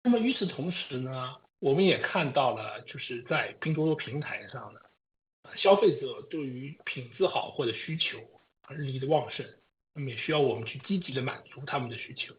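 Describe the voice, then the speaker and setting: Halting male executive on a muffled call. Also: mid-range voice, expressive. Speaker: company executive. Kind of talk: formal answers to analysts. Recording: dull lo-fi conference line.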